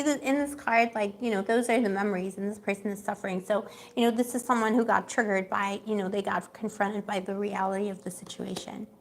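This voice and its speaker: A woman's voice: medium pitch, a bit bright. A woman giving a casual livestream tarot reading, chatty and gossipy, laughing often, with a voice she says is going. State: losing her voice. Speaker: tarot reader.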